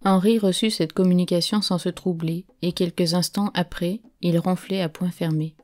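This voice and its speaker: A woman reading an adventure novel aloud as an audiobook narrator, in a measured, steady way. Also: on the low side. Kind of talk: scripted narration.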